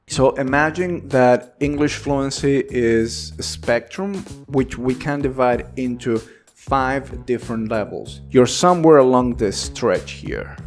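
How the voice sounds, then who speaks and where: A man whose first language is Spanish, giving an earnest, encouraging English lesson straight to the viewer with animated delivery. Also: mid-range voice, unhurried, faint music behind. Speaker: English teacher. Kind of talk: direct-to-camera English lesson.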